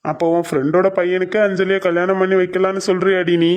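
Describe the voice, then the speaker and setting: A man voicing a gruff, stubborn middle-aged husband and father who speaks curtly. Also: high voice, level tone, quick pace, close to an everyday voice. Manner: gruff, curt. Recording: soft music underneath.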